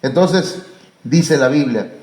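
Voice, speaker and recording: A man with a Mexican Spanish accent preaching a sermon as pastor, pausing on fillers and rising to emphatic high calls. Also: warm tone. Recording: echoey church room.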